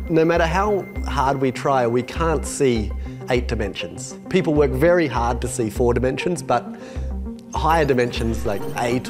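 Over clear music in the background, a man talks at a moderate pace. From New South Wales, Australia. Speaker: mathematics professor. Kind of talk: TV interview answer. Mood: enthusiastic, smiling, laughing. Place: classroom. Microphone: lapel.

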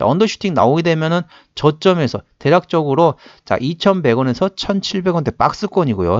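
The intonation is lively while the loudness stays very even throughout. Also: man, fairly high pitch for a man. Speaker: stock market analyst. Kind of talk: stock chart analysis broadcast. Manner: fast.

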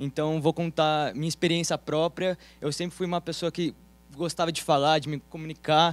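The man talks at a moderate pace in a monotone, flat intonation. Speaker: student representative; speaker. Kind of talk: presentation to visitors. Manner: hesitant, many fillers. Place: hall. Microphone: handheld.

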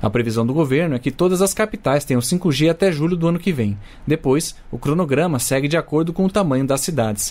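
With a Brazilian accent, a man speaks at a fairly quick pace and a fairly high pitch. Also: lively intonation. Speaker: news reader. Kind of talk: formal news reading. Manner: formal; steady, measured.

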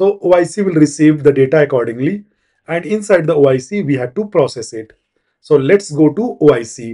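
A man's dark, mellow tone at a moderate pace, with ordinary pitch variation and a quiet background. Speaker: software integration instructor. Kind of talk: tutorial.

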